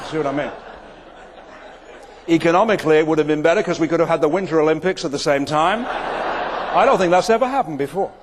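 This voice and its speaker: A man's voice: a little high, background noise. A man from England with a Manchester accent giving a comic keynote speech to a live audience, with dry, self-deprecating delivery. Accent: Manchester English. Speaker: keynote speaker. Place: event venue before a live audience.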